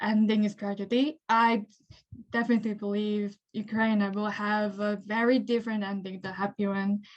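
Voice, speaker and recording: Against a quiet background, a woman with a Korean accent speaks in a somewhat breathy voice at a fairly slow pace. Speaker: audience member. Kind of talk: audience comment. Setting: video call.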